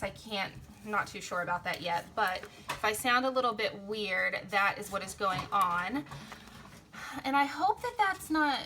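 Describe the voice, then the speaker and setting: Young woman, vlogger, rambly and self-interrupting, a bit worn-out voice, higher pitch, bright and clear. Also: slight background noise. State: early-morning tired, voice slightly strained. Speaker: planner vlogger and sticker shop owner. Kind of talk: casual plan-with-me chat. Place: home craft desk, indoors. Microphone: phone camera overhead. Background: printers running.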